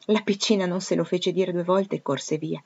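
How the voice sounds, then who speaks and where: A woman narrating a classic novel as an audiobook, in an even, careful reading voice. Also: fairly low pitch, normal speed, husky, lo-fi sound. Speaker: audiobook reader.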